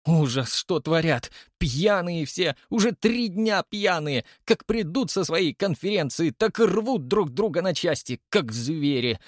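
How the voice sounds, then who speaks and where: A man voicing an elderly, frightened woman concierge who gossips and complains in a hushed, fretful way. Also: fairly high pitch, expressive, measured pace, few pauses, no room sound, studio quality, pitched above the performer's own voice. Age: older.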